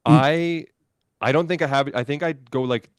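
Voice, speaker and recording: Casting: man, smooth resonant voice, dry sound, loose rambling chat over a call. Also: fairly high pitch, steady tone, normal speed, no echo. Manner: rambling, restarts and self-corrections. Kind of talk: casual chat on a live stream.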